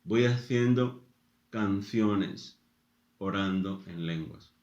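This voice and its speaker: A man preaching a sermon, speaking in short phrases with frequent pauses. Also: fairly low pitch, darkish tone, reverberant, highs cut off. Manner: slow, deliberate, pausing after short phrases. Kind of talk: sermon teaching.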